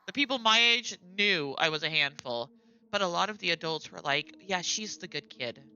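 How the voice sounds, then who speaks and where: A woman's voice: lowish voice, animated, moderate pace, sharp tone, lo-fi sound. A middle-aged woman with a general American accent, chatting casually and rambling with lots of asides while playing a game. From United States. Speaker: gaming streamer.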